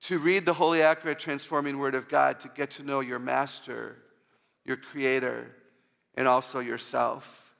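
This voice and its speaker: A woman with a low voice, often taken for a man's, giving an inspirational church talk full of humorous personal stories and call-outs to the audience. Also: little pitch movement, normal speed, gravelly, a bit bright, long reverb tail.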